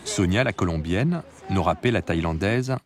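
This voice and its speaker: A man's voice: deep voice, lively intonation, moderate pace, crowd noise. A man reading scripted narration as the narrator of a documentary.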